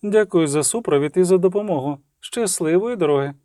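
A man's voice: high-pitched, lively intonation, a little fast, warm tone, no echo, studio quality, pitched above the performer's own voice. A man reading an audiobook, voicing a proud, stern elderly sorceress with a weary, reproachful manner. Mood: curt formal.

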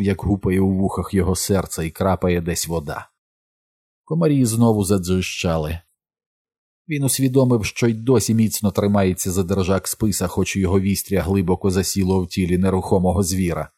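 A male audiobook narrator reading a novel in a steady, measured way. His voice is very low and mellow. It has a husky, slightly breathy grain. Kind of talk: scripted narration.

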